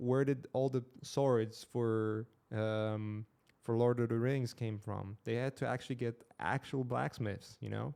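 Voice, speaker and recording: A man with a medium pitch and a dark, mellow tone speaks at a fairly slow pace with fairly even intonation over a quiet background. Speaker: concept artist streaming live painting. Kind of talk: live stream casual talk while painting. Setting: live stream. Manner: casual, halting with many fillers and repetitions; mumbling.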